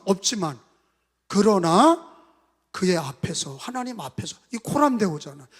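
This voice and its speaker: High-voiced impassioned Korean pastor preaching. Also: male voice, long reverb tail. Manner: impassioned preaching, leads congregation in repeating phrases. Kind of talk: sermon. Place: church sanctuary.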